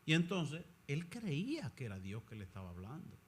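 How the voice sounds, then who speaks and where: A man who is a Catholic priest, talking in an animated conversational way and sometimes acting out other people's voices. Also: mid-range voice, moderate pace, a little hiss or hum. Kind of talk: conversational discussion.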